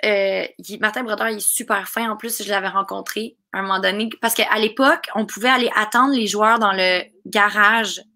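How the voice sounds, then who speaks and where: A young adult woman with a Québécois French accent, a guest chatting casually and animatedly on a podcast with many quick asides. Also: medium pitch, steady tone, pushed and bright. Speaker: guest, voice actress.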